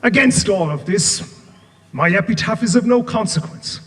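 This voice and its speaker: A composed, earnest rebel's ghost, played by a man with a high voice. He talks in a measured, solemn way. The sound is a stage play caught in a hall with a long reverb. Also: lively intonation, a bit bright. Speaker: stage actor.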